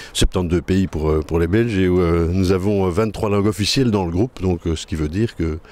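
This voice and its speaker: A man talks at a fairly quick pace in a very deep, low pitch with ordinary pitch variation. His tone is dark and mellow. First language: English (speaking French). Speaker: corporate social responsibility manager. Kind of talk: interview. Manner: frequent hesitations (euh).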